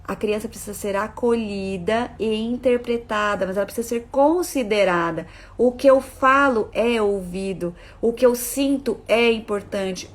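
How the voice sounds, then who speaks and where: A woman parenting educator giving a live talk to viewers, emphatic and repeating her key phrases as she speaks straight to her listeners. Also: mid-range voice.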